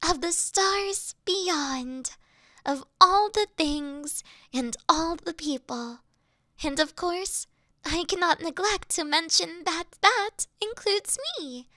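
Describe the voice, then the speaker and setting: A woman's voice: extremely high pitch, slow, sharp tone, dry recording, heavily acted. A woman voicing a devoted female demon servant who worships her mistress, fawning and flustered in a scripted audio roleplay. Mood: adoring.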